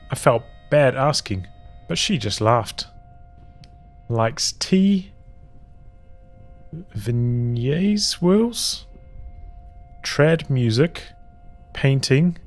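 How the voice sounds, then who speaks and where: Slow-paced man reading a story over music. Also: medium pitch. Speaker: streamer reading a visual novel aloud. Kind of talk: read-aloud storytelling of journal entries.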